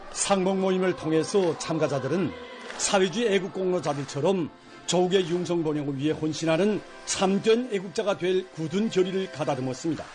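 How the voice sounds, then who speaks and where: Man, North Korean accent, news announcer, formal measured declamation, fairly high-pitched. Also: a little mellow. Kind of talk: scripted broadcast news reading.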